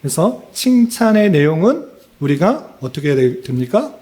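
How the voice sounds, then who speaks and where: A male pastor preaching a Bible exposition at a church prayer meeting. He puts questions to the congregation, answers them himself, and fills his pauses with short "ye" and "e" sounds. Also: a little high, sing-song, darkish tone.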